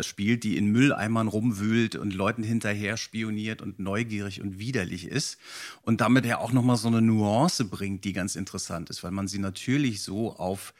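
Middle-aged man, fairly low pitch, podcast co-host, casual chat, inquisitive. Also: moderate pace.

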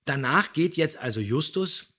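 A man's voice: a little high, expressive, moderate pace, pushed and bright, breathy edge. A man co-hosting a podcast, explaining things casually in a matter-of-fact, opinionated way. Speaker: podcast co-host who recaps and critiques.

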